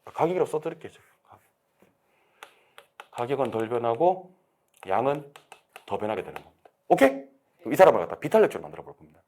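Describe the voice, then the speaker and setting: A man lecturing a real estate exam class, drilling students with quick questions and answering them himself. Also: medium pitch, big pitch swings, darkish tone, a little hiss or hum. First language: Korean.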